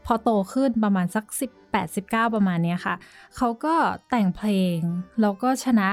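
A woman's voice: medium pitch, normal speed, soft background music. A woman co-hosting a podcast, telling a story in a chatty, hesitant way and dropping in English words. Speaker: podcast co-host. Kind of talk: casual chat.

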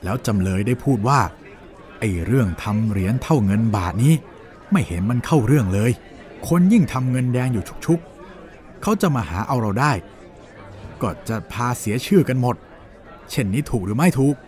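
A man's voice: mid-range voice, expressive, moderate pace, long pauses, darkish tone, some chatter behind, lightly acted. A man playing an insistent defence lawyer in a dramatised courtroom story, questioning in a pressing, pointed way. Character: insistent male defence lawyer cross-examining a witness.

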